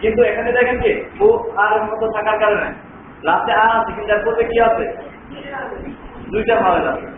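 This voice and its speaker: A man with a very high voice lectures a training class, checking often with rhetorical questions and slipping English words into his speech. He sounds far from the mic in a very echoey room. The sound is thin like a phone line, with clear noise behind him. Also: fairly quick, pauses often. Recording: far-off, echoey, tinny, noisy room recording.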